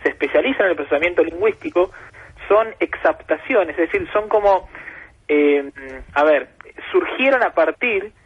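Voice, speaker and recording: A man's voice: high voice, lively intonation, normal speed, breathy edge. A man with an Argentine accent, speaking as a guest expert on a radio interview, patient and professorial, building his points with examples. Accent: Argentine Spanish. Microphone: telephone. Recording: muffled phone line on radio.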